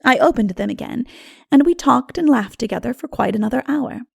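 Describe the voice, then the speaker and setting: Female audiobook narrator, heavy vocal fry, highish pitch, measured dramatic delivery, close dry sound. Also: dry recording. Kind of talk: dramatic literary narration of dark fantasy.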